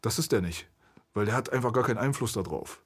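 A man's voice: lowish voice, animated, fast talker, slightly rough. A man from Berlin, a guest in a candid conversation, telling his story in a blunt, intense way. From Berlin, Germany.

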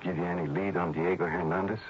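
A man's voice: deep voice, fairly even intonation, fast, close to an everyday voice. An actor playing a matter-of-fact man helping the detective, in an old radio drama. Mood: sober. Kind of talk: 1960s radio drama acting. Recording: muffled old radio broadcast with hiss.

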